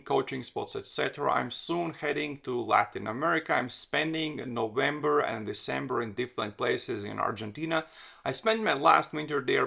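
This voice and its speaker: A man's voice: medium pitch, creaky, fairly bright tone, husky. A man from Latvia, hosting a solo podcast in a direct, conversational way and often correcting himself mid-sentence. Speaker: podcast host and dating coach.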